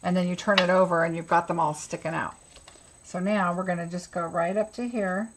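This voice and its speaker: A woman's voice: fairly low pitch, fairly even intonation, brisk, low-quality recording. A woman giving a casual live craft tutorial as host, chattily talking herself through each step.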